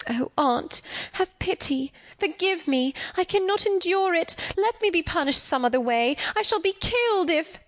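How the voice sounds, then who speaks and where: A frightened, desperate young girl, read by a woman narrator in an audiobook. She pleads and cries out in a high, strained voice with a timbre that sits apart from the narration. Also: animated, normal speed. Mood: desperate, pleading. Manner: pleading, crying out.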